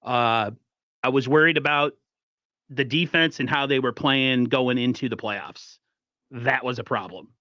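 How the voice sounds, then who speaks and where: A man hosting a casual sports podcast, talking in an animated, rambling way with frequent restarts. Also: medium pitch, unhurried, no echo, dull audio. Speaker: podcast host.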